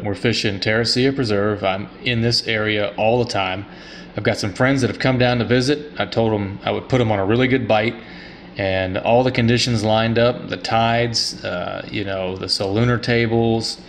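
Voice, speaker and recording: Upbeat fishing host, lowish voice. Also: male voice, slight background noise. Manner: upbeat, plainspoken angler talk. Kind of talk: casual fishing vlog narration. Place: outdoors on a boat on open water.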